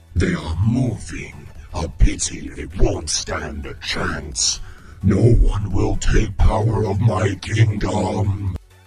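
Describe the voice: A man speaks very slowly in a put-on character voice, pitched fairly low.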